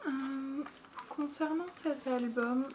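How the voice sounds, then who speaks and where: Over noticeable background noise, a soft-spoken woman talks at a high pitch. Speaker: ASMR creator. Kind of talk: ASMR soft-spoken chat.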